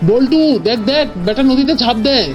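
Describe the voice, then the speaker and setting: A woman voicing a sceptical, scolding young boy in an animated cartoon, speaking in a bossy, colloquial way. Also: sits high, fairly quick, lo-fi sound, soft background music, natural voice. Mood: urgent.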